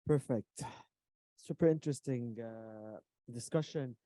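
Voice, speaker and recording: A man's voice: mid-range voice, a little slow, dark tone, no echo. A man interviewing a guest, reacting eagerly and stumbling over some words as he asks his questions.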